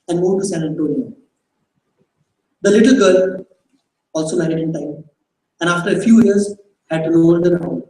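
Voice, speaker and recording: A man's voice: high voice, darkish tone. Hesitant man reading in a hall. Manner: hesitant, with restarts and corrections. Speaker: performer reading a short story aloud. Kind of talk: live story reading. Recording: echoey hall, from far off.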